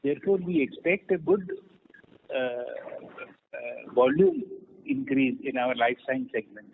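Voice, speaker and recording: A man with an Indian accent and a gravelly voice, answering as a company executive on a conference call. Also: mid-range voice, big pitch swings, unhurried. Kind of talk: answering analyst questions on an earnings call. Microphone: phone conference line. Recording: noisy, narrowband phone conference line.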